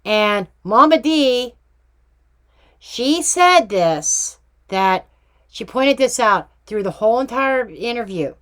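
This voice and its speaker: A woman's voice: a little high, lively intonation, slow pace, a bit bright. A woman hosting a casual true crime tarot reading vlog, chatty and emphatic with slangy asides. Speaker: tarot reader and true crime channel host.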